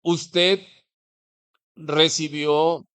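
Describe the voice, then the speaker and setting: A man's voice: a little high, level tone, extremely slow, a bit bright, smooth. A man with a Mexican Spanish accent preaching a sermon in a church, talking conversationally and posing rhetorical questions to the congregation.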